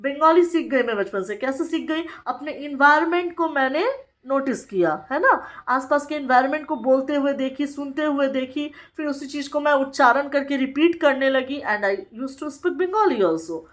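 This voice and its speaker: A woman from Bihar, India, training teachers in a lecture. She reads English lines slowly, explains them, and keeps checking in with "okay?". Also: high voice, animated. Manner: frequent "ठीक है" check-ins with the listener.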